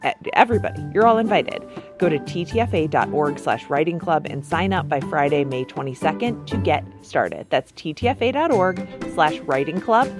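A woman's voice: deep voice, lively intonation, normal speed, music in the background. A woman hosting a podcast, narrating in a wry, playful scripted style with joking asides. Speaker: podcast host.

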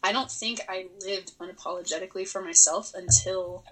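Bright-voiced woman thinking out loud. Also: lowish voice, fairly even intonation, fairly quick, low-quality recording. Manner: verbal processor, thinks aloud with restarts and laughs. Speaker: returning podcast guest. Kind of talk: reflective conversational interview.

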